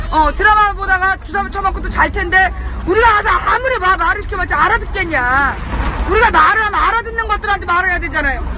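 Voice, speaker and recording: A woman talks at a very fast pace in an extremely high pitch. Crowd noise carries in the background. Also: ordinary pitch variation. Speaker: live-streaming political commentator. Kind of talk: live street broadcast. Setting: outdoors at a candlelight rally. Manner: casual, chatty.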